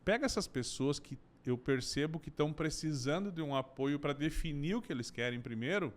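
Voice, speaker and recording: A middle-aged man from southern Brazil with a gaúcho accent, a podcast guest telling his story in a relaxed, joking way. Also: a little high, fairly quick. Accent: Gaúcho Brazilian Portuguese. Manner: warm storytelling, jokey asides. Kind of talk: casual podcast conversation.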